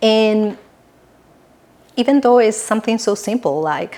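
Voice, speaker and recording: With a non-native accent, a woman speaks slowly-ish at a fairly slow pace in a fairly high voice with ordinary pitch variation. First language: not English. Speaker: business coach and transaction coordinator. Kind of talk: vlog monologue to camera.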